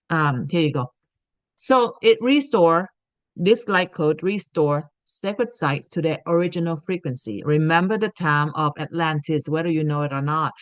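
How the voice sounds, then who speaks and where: A woman's voice: low voice, dry recording. A woman from Thailand giving an earnest spiritual teaching talk, often checking in with "okay?".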